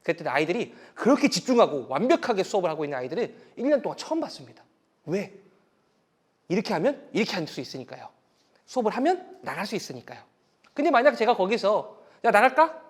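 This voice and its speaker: A man gives an online talk to parents on raising children. His voice sits high and swings widely as he acts out parent and child lines. He explains each step in plain terms. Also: big pitch swings, fast talker, breathy edge. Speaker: parenting lecturer.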